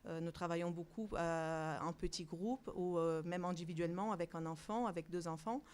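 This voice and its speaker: A woman who directs a bilingual preschool answers interview questions, pausing often with fillers and restarts. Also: lowish voice, a little mellow, slight background noise. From outside Europe. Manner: hesitant, many fillers and restarts.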